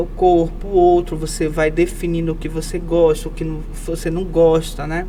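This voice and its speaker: There's noticeable background noise and an audible echo in the room. Through it, a man talks at a moderate pace. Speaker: guest speaker on diversity. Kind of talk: interview. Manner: lecturing, explanatory.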